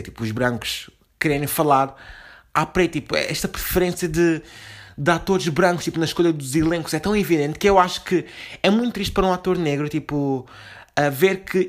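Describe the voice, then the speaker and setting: A young man from Portugal, talking casually to his podcast listeners from home. His voice sits fairly high for a man. His speech is loose and slangy, full of fillers, restarts and asides. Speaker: podcast host. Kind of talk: casual opinion monologue. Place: home room.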